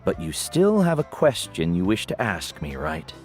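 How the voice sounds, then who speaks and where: Game mentor: older tribal guide, low expressive voice, kindly and measured, light music underneath. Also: male voice. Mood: gentle, knowing. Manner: measured, earnest, explanatory. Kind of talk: scripted game dialogue. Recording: background music under the dialogue.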